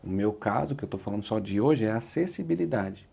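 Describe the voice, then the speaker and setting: A man's voice: on the low side, expressive, fast talker, vocal fry, warm tone, slightly rough. A man with a Brazilian Portuguese accent, an interview guest and motivational speaker, telling his story in an earnest, reflective way. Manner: earnest, repeats "said like this" when quoting himself.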